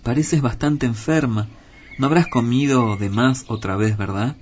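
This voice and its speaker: Man playing a timid husband crow, grumbling, defensive, a bit quieter, dull lo-fi sound, faint hiss. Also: medium pitch, a little slow, natural voice.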